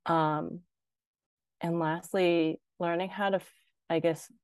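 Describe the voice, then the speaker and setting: A woman's voice: lowish voice, fairly even intonation, slow, a little mellow, clear, resonant tone, dry recording, clean studio sound. A young woman, a designer and podcast guest, chatting casually and filling her talk with "like". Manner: chatty, heavy use of "like". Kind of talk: casual interview chat.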